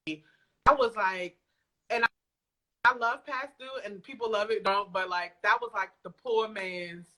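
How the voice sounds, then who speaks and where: Bright-voiced American woman chatting. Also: lowish voice, low-quality recording. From Alexandria, Virginia, United States. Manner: informal, conversational. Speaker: podcast guest, audio drama creator. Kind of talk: casual chat.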